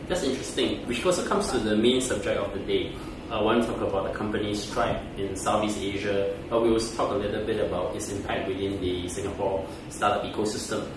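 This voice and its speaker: A low-pitched man hosts a business podcast interview, putting direct questions to his guest in an easy conversational way. He sits back from the mic, so his voice comes through a roomy, echoey office space. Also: fairly quick, hardly any pauses, distant mic, noisy background. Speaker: podcast host. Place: office meeting room.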